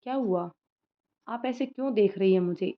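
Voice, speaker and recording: A woman voicing a tender young woman about to be married, who speaks to her mother in a soft, tearful way. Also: medium pitch, normal speed, lightly acted. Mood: gentle. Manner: tearful and sobbing. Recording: slightly muffled lo-fi recording.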